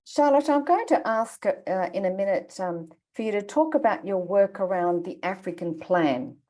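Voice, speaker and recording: A woman's voice: mid-range voice, expressive, normal speed, warm tone. A woman moderating an online panel conversation, encouraging and steering the talk with questions.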